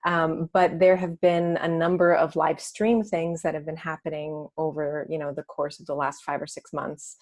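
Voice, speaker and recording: A woman's voice: low voice, flat delivery, moderate pace, few pauses, darkish tone, no room sound. An American woman in her thirties, a jazz singer speaking thoughtfully as an interview guest, with many fillers and restarts. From United States. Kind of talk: casual interview chat.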